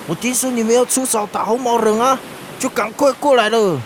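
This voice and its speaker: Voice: medium pitch, fairly quick, a little hiss or hum, natural voice. An actor voicing a hot-headed young tribal warrior in a radio drama, with a Taiwanese accent and a blunt, defiant, dramatic delivery. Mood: anxious. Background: music.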